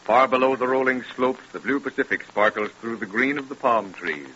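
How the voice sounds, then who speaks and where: A man's voice: medium pitch, brisk, bright, forceful tone, lo-fi sound, natural voice. An actor playing a solemn narrator of 1930s radio mystery tales, formal and theatrical in his declamation. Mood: solemn, dramatic. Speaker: announcer and narrator. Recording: scratchy band-limited 1930s radio recording.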